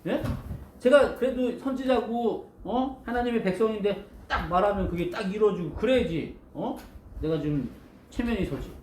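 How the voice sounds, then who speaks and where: A man voicing the sulking, indignant prophet Jonah, complaining loudly in a told Bible story. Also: expressive, normal speed, echoey room, slight background noise. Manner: pleading and complaining, louder and higher than his narration.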